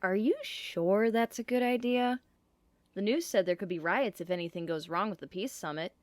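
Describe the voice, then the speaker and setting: A medium-pitched young woman played by an actress sounds cautious and anxious in a dry, close recording. She is a worried fugitive in an audio drama. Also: normal speed, no echo, lightly acted.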